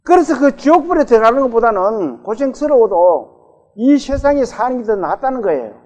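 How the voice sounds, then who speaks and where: A male pastor preaches in a church sanctuary with a very high-pitched, darkish voice that swings widely in pitch at a moderate pace. He's conversational, engaging the congregation and asking them questions, and the recording is dull and reverberant.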